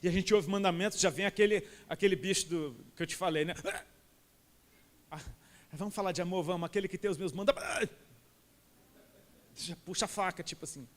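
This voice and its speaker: A man's voice: sits high, brisk, pauses often. A middle-aged man with a Brazilian Portuguese accent preaching a sermon in an impassioned, colloquial way. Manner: impassioned, colloquial, calls listeners "cara". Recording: long reverb of a large hall.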